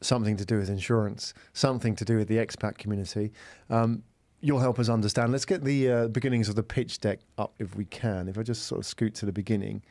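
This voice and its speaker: Man, podcast host, low voice, dry studio sound, chatty. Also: fairly even intonation, fast talker, hardly any pauses, a little mellow, no echo. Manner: chatty, jokey, apologetic asides. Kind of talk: studio interview.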